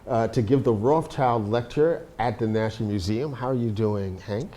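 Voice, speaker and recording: Male host, low mellow voice, studio interview, measured questions, slight background hiss. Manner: measured questions with frequent fillers. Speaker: podcast host.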